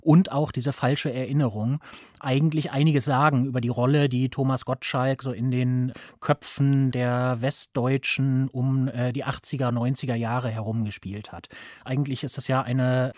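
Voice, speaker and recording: A man's voice: medium pitch, steady tone, moderate pace, darkish tone, dry recording, clean studio sound. A middle-aged man talking reflectively and analytically in a radio discussion, with some hesitation. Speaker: studio guest discussing film and television.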